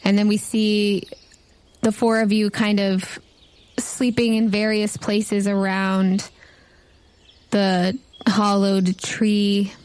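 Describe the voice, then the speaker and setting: A woman's voice: mid-range voice, little pitch movement, slow, pauses often, darkish tone, low-quality recording. A woman acting as game master, narrating a tabletop role-playing game in a conversational way.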